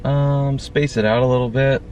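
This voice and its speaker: A man chatting in a relaxed, easygoing way as co-host of a couple's vlog outdoors. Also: medium pitch, normal speed. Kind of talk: casual chat. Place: outdoors near traffic and shuttles. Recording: outdoor street noise.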